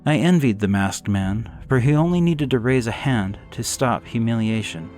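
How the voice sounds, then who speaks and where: A man reads scripted gothic horror as its narrator. His delivery is dramatic yet measured, somber and suspenseful, in a mid-pitched voice over background music. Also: lively intonation, a little mellow.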